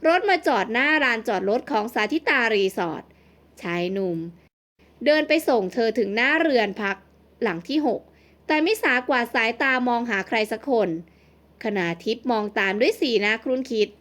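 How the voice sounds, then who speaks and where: A woman's voice: on the high side, animated, moderate pace, a bit bright. Woman narrating an audio novel. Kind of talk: scripted narration.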